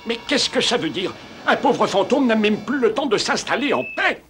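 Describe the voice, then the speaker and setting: A grumpy old ghost from a cartoon, with a very high, piercingly bright voice. He complains in an old-fashioned, theatrical way, full of wounded dignity. Faint music plays underneath. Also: big pitch swings, moderate pace. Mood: indignant. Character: grumpy, fussy old ghost who loves scaring old ladies. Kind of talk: French cartoon dubbing.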